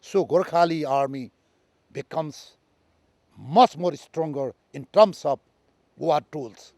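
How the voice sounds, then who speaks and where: This is a Nepali-accented man with a high, gravelly voice, speaking slowly. He lectures on history in halting non-native English. His delivery is proud and emphatic. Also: a little mellow, no room sound, clean studio sound. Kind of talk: lecture on history, addressed to listeners.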